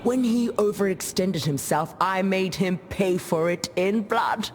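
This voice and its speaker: An actress playing a proud, solemn dead female warrior chieftain in a video game, telling tribal lore in a measured, formal way. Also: medium pitch, slight background noise, close to an everyday voice. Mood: proud, grave. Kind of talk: video game character monologue, storytelling.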